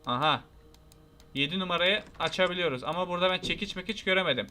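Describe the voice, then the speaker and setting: A young man with a Turkish accent gives casual let's-play commentary, talking straight to his viewers. His voice sits high and sounds bright and forward. He jumps into excitable yelps when something startles him. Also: quick pace. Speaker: gaming YouTuber.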